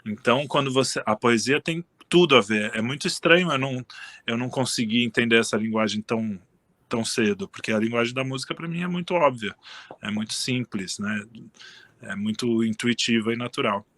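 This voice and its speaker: A man talks in a relaxed, meandering way, often stopping to restart his sentences. His voice is bright and forward. The sound is dry and close. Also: mid-range voice, brisk, no room sound. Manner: relaxed, rambling, frequent restarts and fillers. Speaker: interview guest. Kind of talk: casual conversation.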